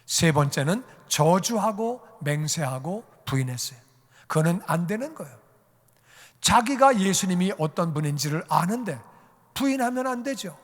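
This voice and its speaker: Male pastor, sermon, fairly high voice, long church reverb, acted-out dialogue, loud emphatic peaks. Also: very animated, moderate pace. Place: church sanctuary.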